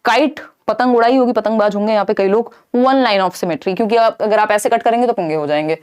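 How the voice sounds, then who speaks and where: A woman's voice: mid-range voice, fairly quick, darkish tone, clear, resonant tone. A young woman teaching an exam-prep lesson, explaining with rhetorical questions and mixing in English terms. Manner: explains in Hindi with English terms, asks and answers own questions.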